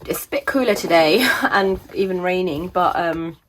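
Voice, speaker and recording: Chatty woman with a slightly raspy voice. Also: on the low side, lively intonation, normal speed, a little hiss or hum, low-quality recording. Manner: chatty and meandering, many fillers. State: slightly raspy, sore throat coming on. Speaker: planner vlogger. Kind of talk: casual chat.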